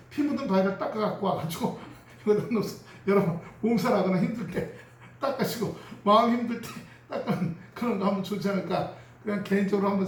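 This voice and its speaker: A man preaches a sermon in a fairly high voice, shifting into acted prayers and chuckling as he goes. He sounds set back from the microphone, and his voice rings through a reverberant church sanctuary. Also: a little hiss or hum. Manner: animated preaching, acting out prayers and quarrels; chuckles often while speaking. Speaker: pastor. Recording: roomy echo from a distant mic.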